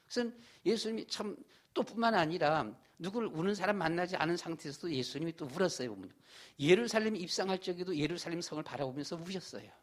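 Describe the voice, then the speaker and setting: A middle-aged man, a pastor, preaching a Sunday sermon in a church in a folksy, repetitive way. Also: a little high. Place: church sanctuary.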